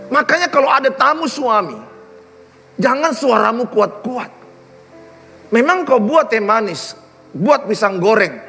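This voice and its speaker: A man's voice: extremely high pitch, in a large hall. A middle-aged man preaching a sermon, telling stories with humor. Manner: animated, humorous storytelling. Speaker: pastor. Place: large church hall.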